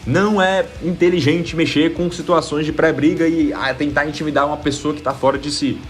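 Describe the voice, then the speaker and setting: A man's voice: a little high, fairly even intonation, a little fast, soft background music. A man coaching viewers in an instructional video, explaining things plainly and speaking straight to the audience. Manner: direct, explanatory, addresses viewer. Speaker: self-improvement coach.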